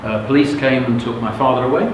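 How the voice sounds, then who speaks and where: Speaking quickly in a mid-range voice with fairly even intonation, this middle-aged man from England, a native Russian speaker, recounts his life to a live crowd as a motivational speaker. His delivery is frank and chatty, and he often asks whether listeners are keeping up. Background noise and heavy echo fill the recording.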